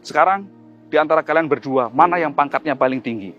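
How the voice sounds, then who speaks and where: Brief: gruff, blunt barbarian, as a male preacher puts him on, raised, demanding. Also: a little high, fast, lo-fi sound, soft background music, close to an everyday voice.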